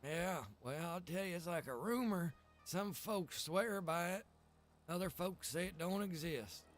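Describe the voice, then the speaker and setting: A man's voice: sits high, measured pace, soft background music. A man chatting casually in character in an online roleplay game, with a folksy, easygoing way of talking. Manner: folksy, easygoing, drawling phrases. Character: Pete, friendly folksy wandering survivor in zombie roleplay.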